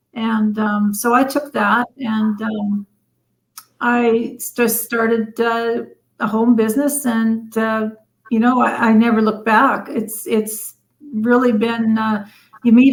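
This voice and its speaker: At a fairly slow pace, a somewhat breathy voice with a western Canadian accent speaks in a monotone, flat intonation. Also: woman. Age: 60s. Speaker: mounted shooter and leather worker. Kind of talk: podcast interview. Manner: halting, many fillers.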